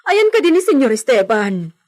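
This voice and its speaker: A woman's voice: high voice, big pitch swings, moderate pace, darkish tone. A woman playing a married housemaid who speaks respectfully and reassures her mistress. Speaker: servant. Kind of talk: amateur audio drama acting.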